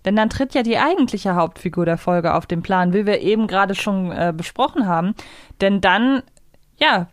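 A woman's voice: medium pitch, expressive, normal speed, no room sound, studio quality. A woman co-hosting a podcast, chatting casually as she recaps a story. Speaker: podcast co-host. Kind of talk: casual chat recapping an episode.

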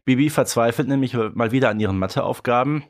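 Chatty man with a medium-pitched voice. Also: quick pace. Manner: chatty, often adds tag questions. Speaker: podcast co-host. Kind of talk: casual chat, recapping.

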